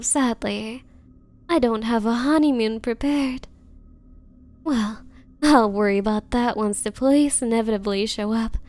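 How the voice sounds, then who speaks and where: A woman acts out an obsessive yandere bride for an anime-style ASMR roleplay. Her voice is high and she takes her time, cooing to the listener with coy, hesitant sweetness. Beneath the considerate manner she is possessive and menacing. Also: darkish tone.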